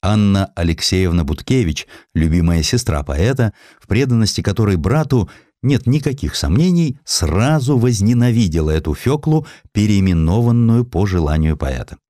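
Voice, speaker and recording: A man narrating a literary historical story as an audiobook, in a measured, dramatic storytelling manner. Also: lowish voice, animated, mellow, no room sound, clean studio sound. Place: dry studio.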